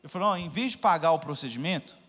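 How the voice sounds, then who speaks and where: Man, 30s, pastor, sermon testimony, hushed to shouting, higher-pitched, long church reverb. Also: lively intonation, fast. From Brazil. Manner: emotional storytelling, swings from hushed to shouting. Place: church hall.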